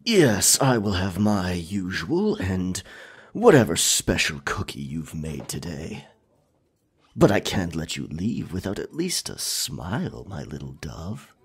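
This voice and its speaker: A man playing a creepy, possessive café customer in an audio drama, leering and oily with a raspy voice. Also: low voice, very animated, takes it slowly, full character voice. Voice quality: husky, raspy. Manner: oily, insinuating.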